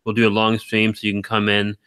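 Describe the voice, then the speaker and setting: A man hosting a live stream, talking in a rambling, teasing way with a deep baritone voice, very tired. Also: monotone, fairly quick, a bit bright, clean tone, no room sound. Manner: rambling, teasing, laughs often. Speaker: stream host. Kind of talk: casual chat.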